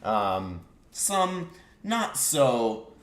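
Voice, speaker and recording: A man's voice: medium pitch, big pitch swings, drawn-out words, fairly bright tone. A man hosting a casual live morning show, talking in a laid-back way and swearing casually. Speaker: host. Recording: echoey room.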